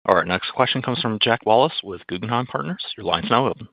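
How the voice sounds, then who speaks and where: A man's voice: on the low side, lively intonation, fairly quick, dry recording. A man making scripted announcements as the operator of a conference call. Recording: slightly dull conference call audio.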